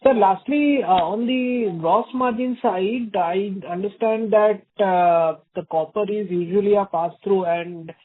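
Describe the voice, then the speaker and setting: A male analyst with a high-pitched voice asks detailed questions. He is heard through a narrow, phone-like line during an earnings call. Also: measured pace, hardly any pauses. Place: telephone conference call.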